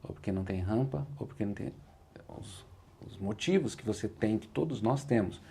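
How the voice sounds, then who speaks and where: An interview guest and motivational speaker with a Brazilian Portuguese accent shares his story earnestly and reflectively. His voice is fairly low, brisk, creaky, warm and slightly rough, and he keeps saying "said like this" whenever he quotes himself.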